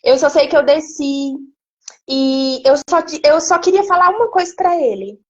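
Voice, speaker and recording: A woman, a guest giving an emotional personal testimony in an animated storytelling way. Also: high-pitched, normal speed, muffled recording. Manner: animated storytelling, acting out quoted speech. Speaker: interview guest.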